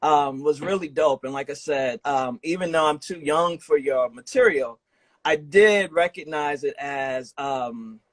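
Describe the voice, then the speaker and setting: A man's voice: fairly high pitch, measured pace, no room sound. A man hosting a casual podcast interview, talking in an informal, enthusiastic and affirming way. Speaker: podcast host interviewing a guest.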